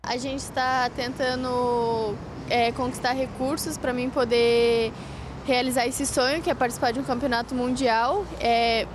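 A woman's voice: a little high, background noise. A sixteen-year-old girl with a Southern Brazilian accent, answering an outdoor interview into a handheld mic, earnest and a little hesitant. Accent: Southern Brazilian Portuguese. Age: teenager, 16. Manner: earnest, slightly hesitant with fillers. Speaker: interviewee, karate athlete. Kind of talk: street interview. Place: outdoors by a street. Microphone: handheld reporter mic.

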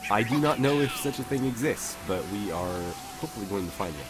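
Male let's-play host, low voice, recovering from being sick, relaxed and filler-heavy. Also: a little fast, music in the background. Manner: relaxed, thinking aloud with many fillers. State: recovering from lost voice. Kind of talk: casual gameplay commentary.

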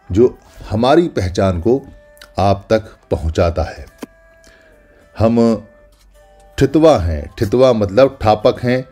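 A man's voice: lowish voice, mellow. A man giving a solemn, scripted documentary narration, speaking in first person as if he were the ancient caves, listing names one by one. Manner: deliberate, lists names one by one. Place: voice-over.

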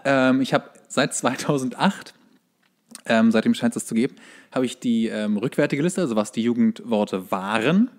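A man's voice: medium pitch, normal speed. A man co-hosts a podcast in a jokey, colloquial, rambling way. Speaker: podcast co-host. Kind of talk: casual comedic podcast chat.

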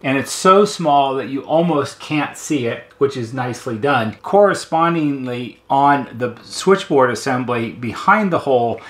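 A man's voice: mid-range voice, expressive, a little slow, few pauses, fairly bright tone. A middle-aged American man giving an unscripted hands-on demonstration as a repair technician, explaining methodically in plain words. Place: indoor repair workshop at a bench.

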